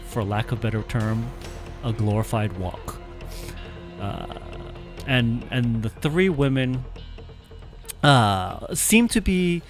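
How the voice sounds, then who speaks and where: A man narrates as game master, his pitch swinging up and down as he describes the scene. He stops often for little fillers and restarts. Soft music plays quietly behind him. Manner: halting, filler-heavy narration. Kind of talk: narrating an online tabletop game.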